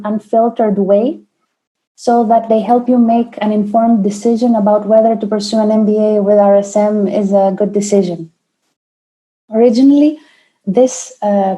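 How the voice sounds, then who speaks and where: Dark-toned Greek woman hosting webinar. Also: a little high, low-quality recording. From Greece. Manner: measured, with frequent fillers and restarts. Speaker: webinar host, admissions manager. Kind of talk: hosting an online panel webinar. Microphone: video call.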